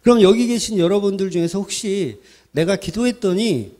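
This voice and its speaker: A man's voice: sits high, lively intonation, normal speed, mellow. A man preaching a sermon at a summer retreat as pastor, chatty and joking, asking the audience rhetorical questions.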